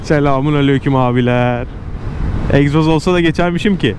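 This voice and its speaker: Clear engine and traffic noise surrounds a man. He talks casually to his viewers from inside a motorcycle helmet, giving slangy, joking running commentary as he rides. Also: a little high, a little fast. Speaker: motorcycle vlogger. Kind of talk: casual chat to viewers while riding. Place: outdoors on a moving motorcycle in city traffic. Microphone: close helmet microphone. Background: motorbike and city traffic noise.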